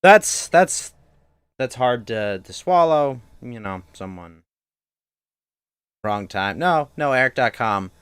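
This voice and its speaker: A man's voice: medium pitch, lively intonation, takes it slowly, pauses often, a bit bright, clear, resonant tone, no room sound. A young man streaming games from home, chatting loosely with his chat, restarting sentences a lot. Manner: rambling, many restarts, talks to chat. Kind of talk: casual live-stream chat.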